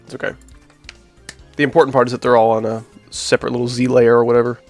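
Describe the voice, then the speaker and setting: A man's voice: mid-range voice, level tone, quick pace, faint music behind. Sick, nasal-voiced man streaming. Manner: chatty, talks to chat while working. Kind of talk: casual live-stream chat while building a game level.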